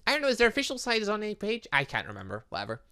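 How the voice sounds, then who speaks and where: A man's voice: high voice, wildly swooping pitch, very fast, sharp tone. A man reading visual novel dialogue aloud as a gaming host, breaking off into casual asides and exclamations.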